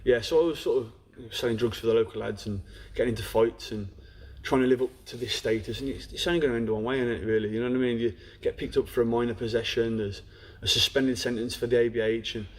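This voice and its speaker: A young man from the Black Country speaks openly about his own life in a podcast interview, talking fast and plainly. His voice is at an ordinary middle pitch for a man with fairly even intonation, and "you know" crops up constantly.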